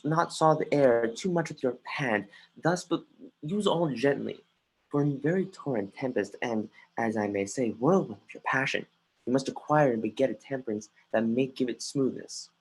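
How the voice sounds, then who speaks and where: Guy doing a brooding shakespeare prince, kinda husky, earnest, halting as he reads the verse. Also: medium pitch, poor audio. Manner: halting, restarts phrases mid-line. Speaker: actor. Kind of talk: dramatic reading of Shakespeare, often stumbling. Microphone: home computer mic on a livestream.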